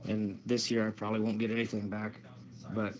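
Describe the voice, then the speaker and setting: A man's voice: lowish voice, completely flat delivery, fairly quick. A man chatting casually as a participant on a talk show. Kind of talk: casual chat. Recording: muffled lo-fi radio-app audio, noisy background.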